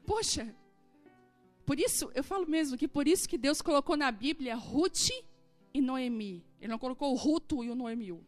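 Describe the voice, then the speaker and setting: High-voiced southern woman preaching. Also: brisk, faint music behind. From southern Brazil. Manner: animated storytelling, acting out dialogue. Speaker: pastor. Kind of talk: sermon. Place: church hall.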